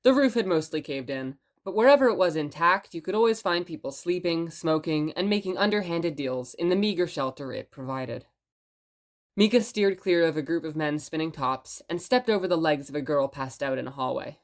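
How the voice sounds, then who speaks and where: A woman playing a chatty, playful radio host in an audio drama, telling stories in a conversational, wry and expressive way. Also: deep voice, normal speed. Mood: measured storytelling. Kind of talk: audio drama radio broadcast and scripted narration.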